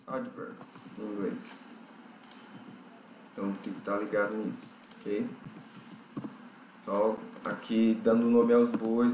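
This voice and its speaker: A man's voice: fairly low pitch, darkish tone. A man teaching English grammar in a recorded lesson, patiently explaining exercises and often checking understanding. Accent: Brazilian Portuguese. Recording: echoey room, faint noise.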